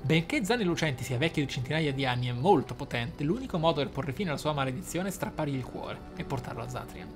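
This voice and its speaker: This gaming channel host speaks fast with a fairly high, expressive voice and hardly any pauses as he reads game lore aloud. He tosses in offhand asides about it, with game music in the background.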